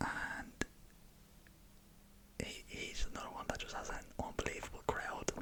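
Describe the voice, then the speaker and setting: Someone whispers at a moderate pace with an Irish accent, against noticeable background noise. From Ireland. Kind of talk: ASMR whisper ramble. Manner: whispered.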